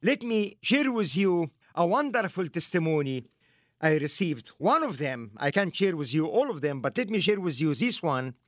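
A man's voice: on the high side, expressive, normal speed, dry recording, studio quality. A man preaching with fervor, an evangelist and author speaking in a sing-song style. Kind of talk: preaching and promoting his book.

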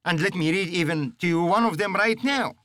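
A middle-aged man speaks on a religious teaching broadcast, earnest and emphatic like a preacher. His voice sits a little high for a man. The sound is close and dry, with no room around it. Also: brisk, sharp tone, dry recording. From Egypt. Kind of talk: religious radio teaching program.

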